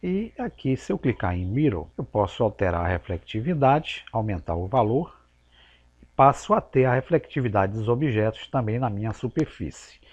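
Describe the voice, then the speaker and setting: A man, patiently explaining a software tutorial step by step with casual asides. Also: medium pitch, very animated, moderate pace, highs cut off. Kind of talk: screen-recorded software tutorial.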